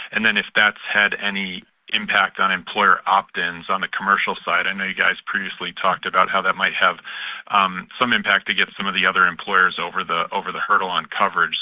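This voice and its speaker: A male analyst asks his question on a business call. His voice is deep with little pitch movement. The line is dry and muffled. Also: dry recording. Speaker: financial analyst caller. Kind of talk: asking a question on an earnings call. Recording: dry, dull lo-fi phone line.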